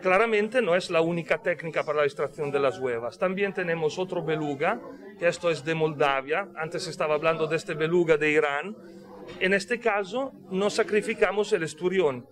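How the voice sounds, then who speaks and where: A man's voice: on the high side, normal speed. A man, talking through a face mask as he explains caviar at a tasting, checking in with listeners as he goes. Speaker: caviar company representative. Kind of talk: explaining products at a tasting interview. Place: busy fish shop indoors. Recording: crowd noise in a shop. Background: crowd chatter.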